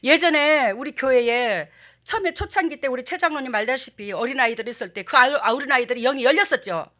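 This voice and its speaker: An older woman pastor, preaching a sermon and telling stories with animated acted-out quotes. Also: high voice, quick pace. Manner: animated storytelling, acting out quotes.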